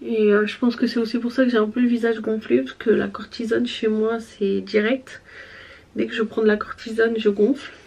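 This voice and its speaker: Young woman, casual rambling chat, slightly hoarse, higher voice. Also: level tone, normal speed, darkish tone. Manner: chatty, rambling, many fillers. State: slightly hoarse voice after illness. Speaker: vlogger. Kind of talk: casual chat while getting ready.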